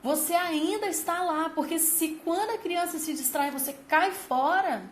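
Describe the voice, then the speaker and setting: A woman's voice: very high-pitched, unhurried. A woman hosting a parenting channel, talking to parents emphatically and explaining through vivid comparisons. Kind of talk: advice talk to parents. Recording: roomy echo with faint ambience.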